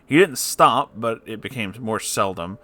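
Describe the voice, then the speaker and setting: A man narrating an online story aloud in a dramatic, expressive way, with candid and sweary interjections. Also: on the low side, unhurried.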